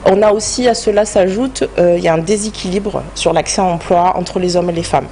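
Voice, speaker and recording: Her voice lowish, mellow and a little fast, a French woman with a French accent answers as a guest expert, an HR director, in a studio interview. Her answers are structured and explanatory, and a faint hiss or hum sits under the recording.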